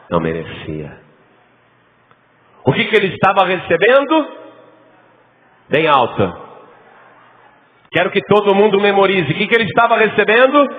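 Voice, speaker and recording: A Brazilian pastor preaching a dramatic sermon that swings between hushed talk and shouting. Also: male voice, medium pitch. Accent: Brazilian Portuguese. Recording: tinny echoey hall recording.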